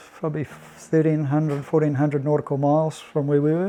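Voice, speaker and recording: A man talks at a fairly high pitch. He has a New Zealand accent. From New Zealand, Auckland. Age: 60s. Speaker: sailor sharing personal testimony. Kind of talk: testimony. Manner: halting, many fillers and restarts.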